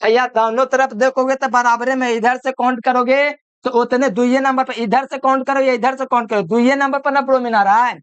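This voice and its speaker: A man's voice: very high voice, flat delivery, brisk, fairly bright tone, smooth, no room sound. A man giving a chemistry video lecture, repeating each point and quizzing the listener with call-and-answer questions. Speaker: chemistry teacher. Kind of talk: classroom-style video lecture.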